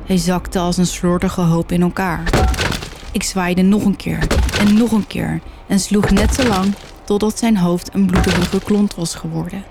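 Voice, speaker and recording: A woman narrating a horror story in a steady, measured way. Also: on the low side, creaky, background noise.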